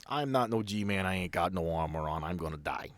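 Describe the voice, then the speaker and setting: A man voicing a gruff, wary sanatorium guard who talks in a folksy, grudging way in a tabletop game. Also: deep voice, animated, a little fast, dry recording, voice pushed down. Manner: folksy, colloquial, grumbling.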